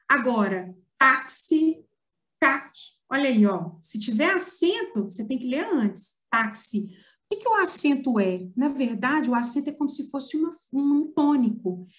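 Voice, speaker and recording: Brazilian female teacher, higher pitch, patient and explanatory, online class. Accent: Brazilian Portuguese. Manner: explains patiently, stretching example words slowly. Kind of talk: online writing lesson.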